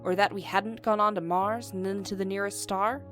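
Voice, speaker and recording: A woman performing a rousing male starship captain's speech as a theatrical dramatic reading with deliberate pauses. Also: medium pitch, steady tone, soft background music, lightly acted. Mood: deliberate, persuasive.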